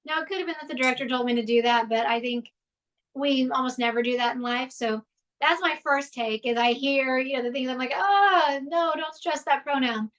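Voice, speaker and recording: High-voiced woman with a Houston accent. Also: fairly quick, fairly bright tone. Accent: Houston, Texas. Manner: chatty, rambling with fillers and restarts. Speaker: voice actress, podcast guest. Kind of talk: casual interview chat.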